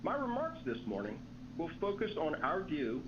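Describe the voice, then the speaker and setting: A man's voice: on the high side, huge pitch swings, moderate pace. A man reading scripted remarks as a company executive on an earnings call. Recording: dull lo-fi call audio, clear noise.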